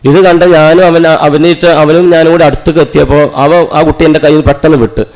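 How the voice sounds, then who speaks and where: A man's voice: a little high, level tone, darkish tone, poor audio. A middle-aged man, a teacher telling an emotional story in a talk, earnest and full of restarts. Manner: fast, earnest, with frequent restarts. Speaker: teacher giving a talk at a cultural centre.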